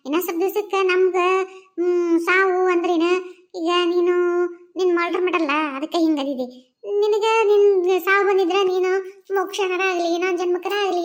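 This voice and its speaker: Woman doing a very high-voiced cheerful lady ghost. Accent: North Karnataka Kannada. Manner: soothing, chatty, folksy. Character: cheerful murdered female ghost, carefree and consoling. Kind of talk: cartoon voice acting.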